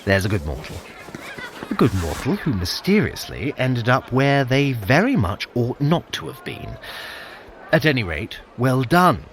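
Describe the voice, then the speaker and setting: A man's voice: mid-range voice, big pitch swings, measured pace, slight background noise. A man playing a smug, vain trickster god in an audio adventure, theatrical and condescending as a grudging mentor. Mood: self-satisfied. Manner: theatrical, self-satisfied, condescending. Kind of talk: scripted audio adventure acting.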